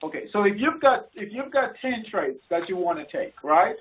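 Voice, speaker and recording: A man leading a group call as a coach, informally explaining things in halting, repeated phrases and often checking in. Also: high voice, sing-song. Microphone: conference call line. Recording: muffled, noisy conference call audio with clicks.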